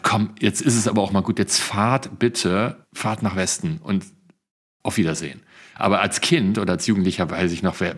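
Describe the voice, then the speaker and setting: A man's voice: sits low, breathy edge. A man co-hosting a podcast, chatting casually. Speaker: podcast co-host.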